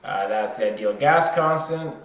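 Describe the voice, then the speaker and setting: A man's voice: fairly low pitch, animated, moderate pace. A man tutoring in an informal way, working through a problem step by step and thinking aloud. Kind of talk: worked chemistry problem lesson, explained step by step. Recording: roomy, echoey sound.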